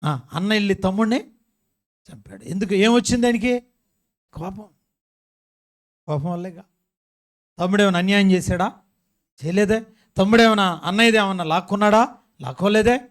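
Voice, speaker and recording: A man's voice: high voice, moderate pace, pauses often. A male pastor preaching a sermon, putting questions to the congregation and repeating key words for emphasis. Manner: call-and-response questions to the congregation, emphatic repetition.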